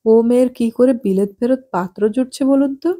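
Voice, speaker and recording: A woman voicing a nosy, gossipy well-off married woman in an audiobook, chatty and sharp-tongued. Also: on the high side, normal speed, voice pushed up, close to an everyday voice. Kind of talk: audiobook character voice.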